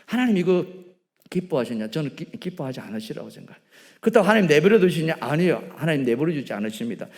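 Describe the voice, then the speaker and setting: A man preaching a sermon as a pastor, animated and emphatic, often asking his congregation questions and dropping to quieter asides. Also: fairly high pitch, fast, big-room sound. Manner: asks the congregation frequent questions. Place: church sanctuary.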